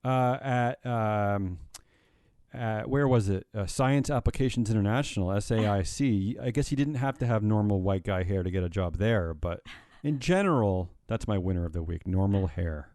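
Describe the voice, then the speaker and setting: A man's voice: lowish voice, moderate pace, darkish tone, no room sound, clean studio sound. A man hosting a casual business podcast chat, talking in a wry, sarcastic way. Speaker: podcast host.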